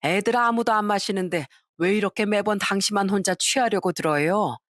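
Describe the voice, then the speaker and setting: A woman voicing a kind, long-suffering mother-in-law in her sixties who speaks softly and wearily. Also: medium pitch, fairly quick, dry recording, studio quality, close to an everyday voice. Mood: weary. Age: 60s. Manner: soft, weary, pleading.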